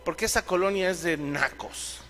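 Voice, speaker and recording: Preacher putting on a whiny, grumbling apostle with a Mexican accent, pitched up high, long church-hall reverb. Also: male voice, moderate pace, sharp tone. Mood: whiny, mocking. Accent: Mexican Spanish. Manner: whiny, sarcastic protest. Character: reluctant apostle grumbling about which neighborhoods he'll visit.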